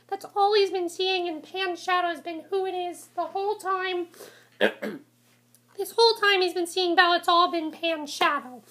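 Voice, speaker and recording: A woman's voice: very high voice, fairly bright tone. A woman casually reviewing a TV episode, congested from a cold, rambling with many ums and restarts.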